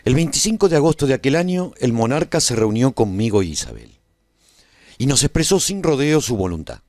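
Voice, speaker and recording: A man playing an earnest, reflective narrator of a radio serial, telling his own story of life at a royal court in a measured, solemn, dramatic delivery. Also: mid-range voice, very animated, a little mellow, no echo, clean studio sound, lightly acted. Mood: grave, dramatic.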